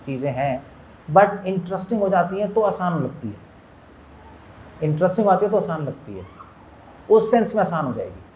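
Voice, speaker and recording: A man's voice: a little high, a little mellow, slight background noise. A man, a monk, giving a spiritual lecture to an audience, asking them questions and mixing in English words. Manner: asks listeners questions, mixes in English words.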